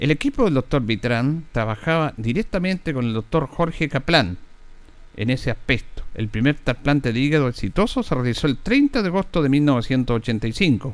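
Using a plain, everyday voice, a man speaks at a fairly high pitch and a moderate pace with lively intonation. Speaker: local radio host. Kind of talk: radio talk show. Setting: radio studio.

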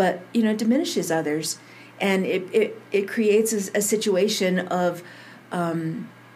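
Somewhat breathy, the woman's voice sits at a medium pitch. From New Mexico, US. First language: Spanish. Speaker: farmer and community leader. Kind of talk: interview, storytelling.

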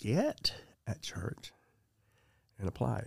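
A man talks at a very slow pace, medium in pitch and somewhat breathy. The sound is dry and close with no echo, and the recording is very clean with a silent background. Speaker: church member. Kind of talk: casual discussion.

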